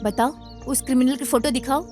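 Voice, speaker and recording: A woman dubbing a middle-aged mother in a film, shrill and scolding. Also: steady tone, a little fast, music in the background, close to an everyday voice. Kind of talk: Hindi film dub. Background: film score.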